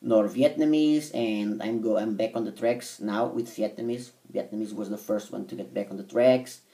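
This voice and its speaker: A man speaks in a lowish, warm tone, pausing often as he works out what to say. His voice sits a little back from the mic, with some room around it. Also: distant mic. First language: Portuguese. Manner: halting, thinks aloud with frequent pauses. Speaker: language-learning vlogger. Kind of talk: casual monologue to camera.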